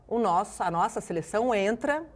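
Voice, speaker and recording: A Brazilian woman hosting a morning news show, asking questions in a lively, chatty way. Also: mid-range voice, fairly quick. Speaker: TV news presenter and interviewer.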